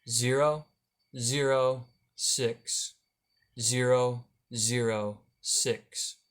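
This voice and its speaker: A man's voice: medium pitch, fairly even intonation, drawn-out words. A man calling in, giving short answers and reading out digits one at a time. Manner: terse, reads digits one by one. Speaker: caller.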